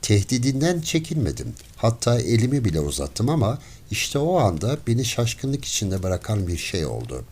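A male audiobook narrator with a low voice reading a story. His pitch moves in a lively way as he tells it, measured and expressive. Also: slightly rough.

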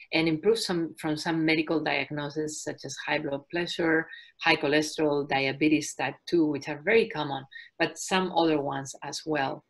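A woman in her forties from Spain with a Spanish accent, presenting a fitness webinar as a trainer and health coach in a calm, soft-spoken way. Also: deep voice.

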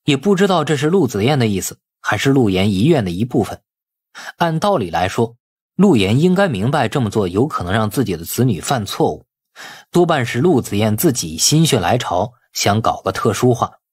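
Husky man narrating an audiobook with lively pitch. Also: normal speed, no echo, studio quality. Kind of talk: dramatic scripted narration of a novel.

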